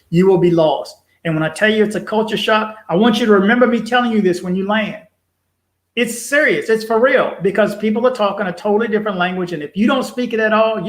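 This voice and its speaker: A man's voice: high voice, a bit bright, reverberant. A man hosting a casual live chat. He reads viewer comments aloud and repeats himself for emphasis, with plenty of fillers. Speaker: livestream host reading viewer chat.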